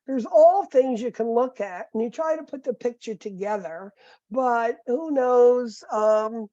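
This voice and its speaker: Woman lecturer, squeaky, mellow tone, dry muffled recording. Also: measured pace, dry recording. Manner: conversational, with many fillers and asides. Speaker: nursing professor.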